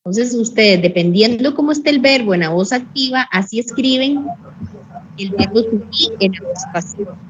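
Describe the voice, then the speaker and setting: A woman teaching an English grammar lesson in an online class, patiently repeating examples and saying English phrases slowly and carefully. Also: fairly high pitch, lively intonation, a crowd in the background. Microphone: computer mic on a video call. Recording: dull lo-fi call audio, faint noise.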